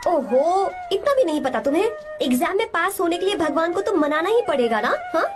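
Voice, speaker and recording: An anxious young student who pleads and frets with big emotion in a dubbed film. Her voice is pitched very high. Film music plays softly behind. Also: animated, a little fast. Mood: playful. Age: young adult. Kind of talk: Hindi film dub.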